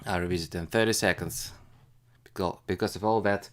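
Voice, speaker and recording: A man hosting a casual live stream as a retail investor, thinking aloud in a halting, hesitant way. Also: low voice, fairly even intonation, fairly bright tone. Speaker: livestream host, retail investor.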